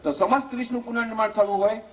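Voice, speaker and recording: A man, a monk who heads an ashram, giving an animated storytelling sermon in a community hall. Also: high-pitched, rapid-fire, slight background noise. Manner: animated, acts out story voices. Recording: muffled lo-fi lecture recording.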